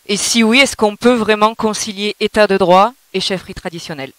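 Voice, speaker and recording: A woman's voice: mid-range voice, brisk, fairly bright tone, slight background noise. A woman speaking from the audience, making an impassioned public remark and putting questions to a panel.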